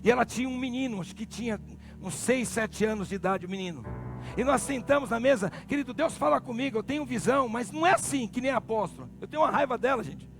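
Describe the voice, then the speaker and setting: A Brazilian man preaches a sermon in a very high, gravelly voice. He drops to low murmurs, then climbs to loud shouted peaks. Church music plays behind him. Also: animated, quick pace. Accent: Brazilian Portuguese. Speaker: pastor.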